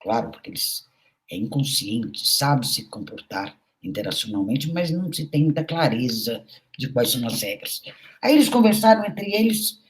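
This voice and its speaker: A woman's voice: very deep voice, sing-song, moderate pace, poor audio. A middle-aged woman, a university professor, giving a recorded lecture in an anecdotal, storytelling way with frequent conversational tags.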